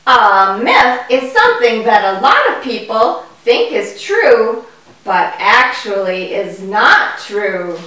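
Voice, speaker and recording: A distant, very echoey recording carries a woman playing a fearful young boy puppet. The delivery is very slow and exaggerated, as in a children's puppet show, and full of excitable feeling. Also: on the high side, noisy background. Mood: amazed, explaining. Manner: exaggerated, addressing children directly. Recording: echoey hall, far from the mic.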